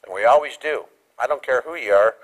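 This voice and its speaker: A male pastor preaching a sermon, going from quiet talk to raised emphasis and acting out quoted lines. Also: mid-range voice, brisk, low-quality recording. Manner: animated preaching that swings from quiet to raised and loud; acts out quoted lines in little voices. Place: church sanctuary.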